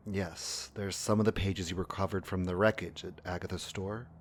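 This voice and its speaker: A man acting in an audio drama as an ailing, protective partner, weary and knowing, speaking in a measured, soft, grave way. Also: sits low, steady tone, a little hiss or hum, lightly acted. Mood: knowing, gentle. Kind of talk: fiction podcast acting.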